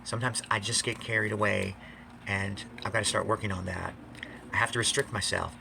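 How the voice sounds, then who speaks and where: A man's voice: on the low side, steady tone, a little fast, gravelly, noisy background. A man talking confessionally to fans in a campy, theatrical, emphatic way, repeating phrases for effect. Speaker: video blogger.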